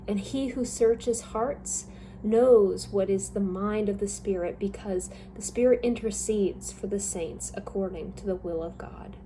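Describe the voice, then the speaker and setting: A young woman calmly reading a Bible passage aloud, in a careful, even manner. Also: medium pitch, a little slow, a little hiss or hum, rough recording. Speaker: scripture reader.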